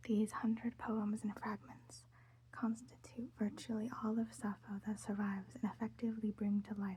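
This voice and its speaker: Soft-spoken delivery at a moderate pace. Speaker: ASMR creator. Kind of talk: reading aloud from a book.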